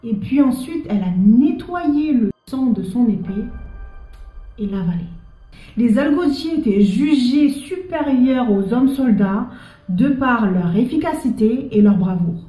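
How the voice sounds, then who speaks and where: A woman presenting a history explainer, lively and speaking directly to the viewer. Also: fairly high pitch, unhurried, echoey room, low-quality recording.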